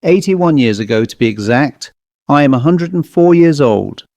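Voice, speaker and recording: A man reading a storybook, voicing a stately, very old tribal chief with a measured, dignified manner. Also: fairly high pitch, lively intonation, warm tone, dry recording.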